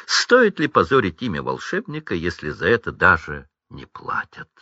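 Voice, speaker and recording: A man's voice: deep voice, wildly swooping pitch, moderate pace, pushed and bright, no room sound, muffled recording, exaggerated voice. A man voicing a haughty, cold aristocratic wizard father who talks down to others with a smirk. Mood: condescending. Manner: condescending, drawling, smirking.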